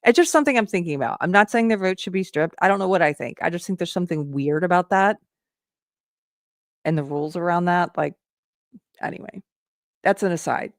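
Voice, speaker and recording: A woman's voice: lowish voice, brisk, long pauses, no room sound, studio quality. A woman hosting a casual commentary show, thinking aloud with restarts and reading posts aloud as she comments on them. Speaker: host.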